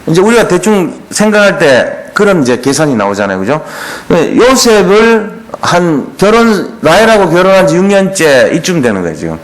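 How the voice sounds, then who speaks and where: A man's voice: high voice, big pitch swings, moderate pace. A man preaching a sermon, retelling scripture in plain everyday speech and asking the congregation questions. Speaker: pastor.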